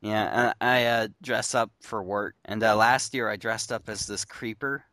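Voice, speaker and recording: A man's voice: on the low side, fairly even intonation, moderate pace, sharp tone, no echo. Man chatting hesitantly, dry sound. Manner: hesitant, many uh fillers. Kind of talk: casual chat.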